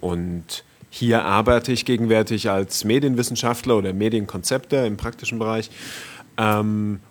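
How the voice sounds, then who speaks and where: A man's voice: on the low side, moderate pace. A young man from Thuringia, a media scholar, speaking as an interview guest over a video call in a matter-of-fact, academic way. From Thuringia, Germany.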